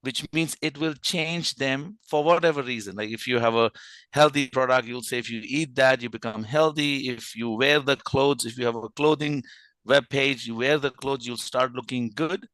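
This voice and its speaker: A hoarse man giving impromptu remarks as a member of an online meeting. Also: medium pitch, moderate pace, fairly bright tone, no room sound, rough recording. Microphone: video call.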